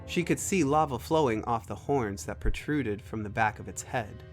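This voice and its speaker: A man's voice: medium pitch, animated, normal speed, faint music behind. A man narrating a scripted science fiction story.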